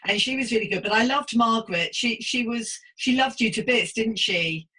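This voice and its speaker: Bright-voiced chatty woman in her fifties. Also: fairly high pitch, moderate pace, slightly rough. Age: 50s. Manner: chatty, effusive, encouraging. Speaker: podcast host interviewing a guest. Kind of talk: casual conversational interview.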